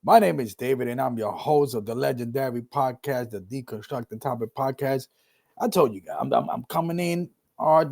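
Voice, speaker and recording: A middle-aged man from Puerto Rico with a mixed Puerto Rican and New York accent, hosting a casual solo podcast, animated, with loud whoops and repeated words while he gathers his thoughts. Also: mid-range voice, gravelly. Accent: Puerto Rican and New York mix. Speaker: podcast host.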